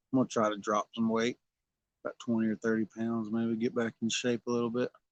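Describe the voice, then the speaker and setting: A man with a Southern US accent speaks at a medium pitch and a moderate pace, in a monotone, flat intonation. His tone is bright, sharp and relaxed, and the sound is dry and close with no echo. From South Georgia. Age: 40s. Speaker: fishing livestreamer. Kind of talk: casual livestream chat. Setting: outdoors at night by water.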